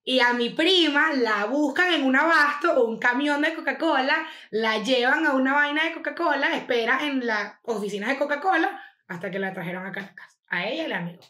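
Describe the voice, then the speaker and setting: A young woman with a Venezuelan accent tells a story in quick, slangy, animated chat. Her voice sits fairly high and sounds bright and forceful. It rings in an echoey room. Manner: fast, slangy, animated retelling with acted quotes.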